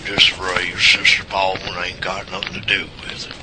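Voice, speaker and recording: A man's voice: sits low, monotone, brisk, background noise, natural voice. A man playing a folksy, grumbling old country man with a rural Southern US accent in an audio drama. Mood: folksy polite.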